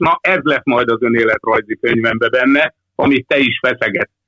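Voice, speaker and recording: This is a man with an unremarkable speaking voice. He talks fairly quickly, and his pitch varies in an ordinary way. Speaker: football coach. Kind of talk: interview. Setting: phone call.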